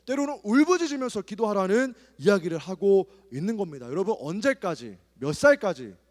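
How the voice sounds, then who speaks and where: A man in his thirties preaches to young people in a large church hall, his fairly high voice climbing and dropping with lively swings. He shifts between quiet asides and loud urgent calls to prayer. The room rings with long reverb. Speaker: pastor. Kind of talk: sermon at a youth retreat.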